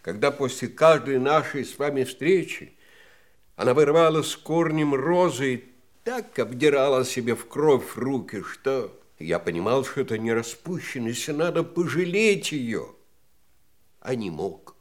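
An actor playing a hesitant, confessional family friend and former lover in an audio drama, halting and ruminative. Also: male voice, mid-range voice, expressive, lightly acted. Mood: rueful. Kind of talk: stage-style audio drama acting.

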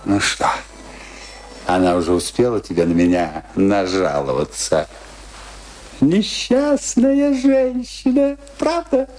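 A domineering military husband in a radio play, drawling very slowly with theatrical mockery. His pitch swings widely as he declaims, over faint background noise. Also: very animated, darkish tone. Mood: mocking, theatrical. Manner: sardonic, declamatory, with drawn-out phrases.

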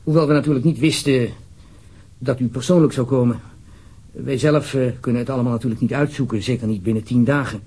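A man's voice: medium pitch, steady tone, brisk, dark tone, husky. A man with a Netherlands Dutch accent playing an uneasy, formal government official in a radio drama, wordy and hesitant. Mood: concerned, persuasive.

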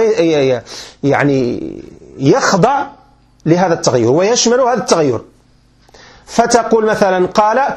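A man with a Moroccan Arabic accent teaching a classroom grammar lesson as a sheikh, patiently repeating points and often quizzing his listeners with check questions. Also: high-pitched.

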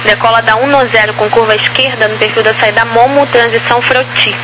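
A woman's voice: fairly high pitch, fairly even intonation, brisk. A Brazilian woman working as an air traffic controller, giving procedural instructions over aviation radio. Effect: aviation radio transmission. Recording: noisy radio channel with background hum.

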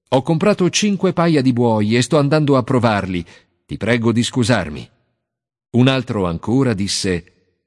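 A calm, authoritative Jesus, read by a man in a bible audiobook. The delivery is measured and solemn, with a lively melody that climbs and drops through each phrase. A long reverb trails behind every line. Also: mid-range voice. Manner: measured, solemn teaching cadence.

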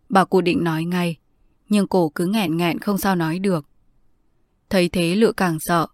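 A woman narrating an audiobook story in a measured, even way. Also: fairly low pitch, dry recording, clean studio sound.

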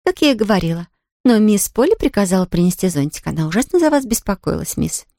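A woman's voice: mid-range voice, very animated, fast, vocal fry, dark tone, no echo, clean studio sound. A woman voicing a blunt, fussy household maid in an audiobook, in a scolding, matter-of-fact manner. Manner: blunt and scolding, then fervent. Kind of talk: audiobook character reading.

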